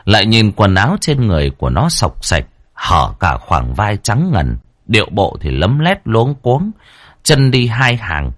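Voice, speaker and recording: A man narrating a dramatic audio story with an expressive, rising and falling delivery. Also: lowish voice, measured pace. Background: faint background music.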